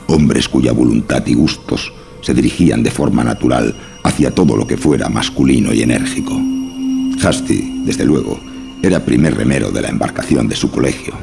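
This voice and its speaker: A man's voice: a bass voice, gravelly. A man narrating a scripted horror story over music. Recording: music behind the voice.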